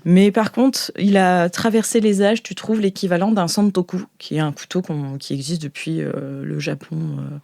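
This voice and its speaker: A woman's voice: fairly low pitch, steady tone, normal speed, creaky, few pauses, dark tone. A woman game master improvising narration for a sci-fi audio role-playing game in an informal, playful, slangy way.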